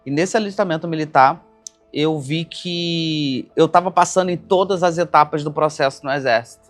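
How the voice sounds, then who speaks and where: A man from Rio de Janeiro, a company founder casually telling his life story, often ending phrases with "né?". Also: on the high side. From Brazil, Rio de Janeiro. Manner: casual, narrates with frequent "né?" tags. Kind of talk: documentary-style personal storytelling.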